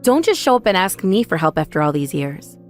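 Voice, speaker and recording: A woman's voice: on the low side, big pitch swings, brisk. A woman voicing a wronged, outspoken adult daughter in a comic dub, confrontational and emotional. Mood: suspicious. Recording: voice over background music.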